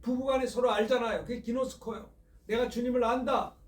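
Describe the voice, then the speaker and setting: A man's voice: extremely high pitch, steady tone, fairly quick, roomy sound, far from the mic. A male pastor from Seoul preaching a Sunday sermon, asking the congregation questions as he goes. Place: church sanctuary.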